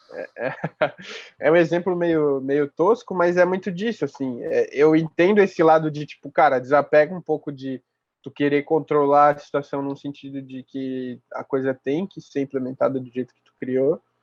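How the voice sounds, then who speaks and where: Recorded with a dry, close sound, no echo and a quiet background, a man with a fairly high pitch talks at a moderate pace with ordinary pitch variation and big swings in loudness. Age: 20s. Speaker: designer, studio founder. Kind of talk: casual podcast interview.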